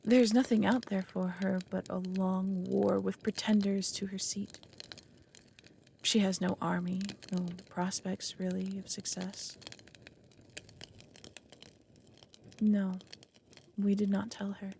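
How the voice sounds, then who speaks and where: An ancient, lonely she-dragon, played by a woman, speaks with a gravelly creak in a fantasy audio roleplay. She is proud and solemn, a brooding, reluctant mother figure. A faint noise sits behind her voice. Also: mid-range voice, flat delivery, measured pace, warm tone. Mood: tender, sorrowful. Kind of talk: dramatic audio roleplay acting.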